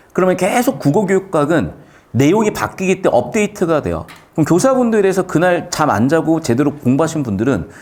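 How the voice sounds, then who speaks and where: A man lecturing students on grammar, asking quick questions and answering them himself, shifting between polite and blunt speech. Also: on the high side. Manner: lively, questioning, answers his own questions.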